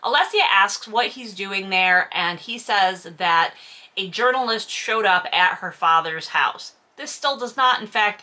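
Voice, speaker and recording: A woman with a medium-pitched, pushed and bright voice hosts a casual read-along, reading a novel aloud while mocking it with exasperated, sarcastic commentary and some swearing.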